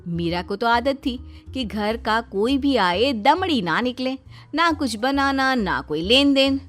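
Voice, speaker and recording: A woman narrating a cartoon moral story in an expressive storytelling manner. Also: on the high side, slow pace, soft background music.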